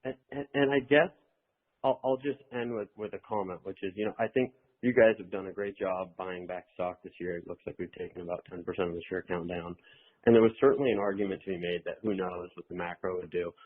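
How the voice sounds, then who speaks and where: A man with a very low, husky voice speaks as an investor caller over a tinny phone line. He gives conversational financial commentary and advice. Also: steady tone, fast talker. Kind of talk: informal spoken financial commentary. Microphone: telephone.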